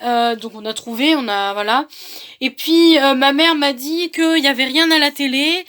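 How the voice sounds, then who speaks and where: High-voiced young woman vlogging. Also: normal speed, a bit bright. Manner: rambling, repetitive, hesitant phrasing. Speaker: book vlogger. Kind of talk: casual vlog monologue.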